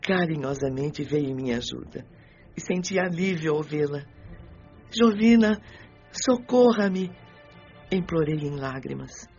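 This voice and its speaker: A man voicing the anguished spirit of a devout sixteen-year-old girl, husky and earnest, in an audiobook drama. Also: fairly high pitch, expressive, measured pace, long pauses, a little mellow, exaggerated voice. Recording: dull lo-fi audio with music underneath.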